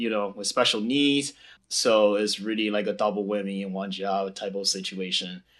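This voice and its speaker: A man talks at a moderate pace in an ordinary speaking voice over a quiet background. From China, Fuzhou. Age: 20s. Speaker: high school math teacher. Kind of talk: interview conversation.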